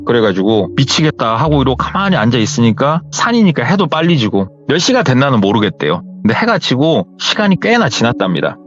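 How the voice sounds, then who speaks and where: A man hosting a horror story radio show, retelling a true tale in an animated, conversational way. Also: mid-range voice, brisk, hardly any pauses. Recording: dull lo-fi with faint music.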